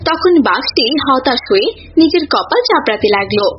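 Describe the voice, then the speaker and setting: A woman's voice: high voice, expressive, normal speed, dull audio, background noise. A woman narrating a scripted cartoon folk tale as a storyteller.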